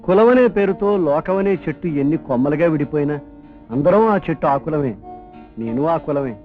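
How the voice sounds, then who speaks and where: A man in a film scene, teasing and full of wordplay, giving lines in quick comic dialogue. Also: on the high side, lively intonation. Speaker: scheming elderly guardian in a comedy film. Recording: dull lo-fi film audio with music.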